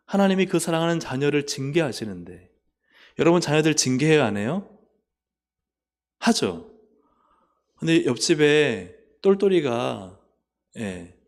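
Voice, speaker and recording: Lively Korean pastor preaching a sermon. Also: male voice. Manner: animated, asks the congregation questions and answers them himself; swings from loud urging to soft, low asides. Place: church sanctuary.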